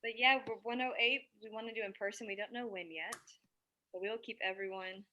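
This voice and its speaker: A woman's voice: mid-range voice, fairly even intonation, a little fast, pushed and bright, muffled recording, slight background noise. A woman talking casually and informally about plans in an online group meeting. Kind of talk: casual chat. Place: online video call.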